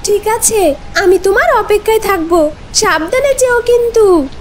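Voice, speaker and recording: A woman's voice: very high voice, expressive, measured pace, a little hiss or hum, pitched above the performer's own voice. A woman voicing a caring, anxious cartoon mother bird in a pleading, earnest way. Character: caring, anxious mother tailorbird with tender devotion.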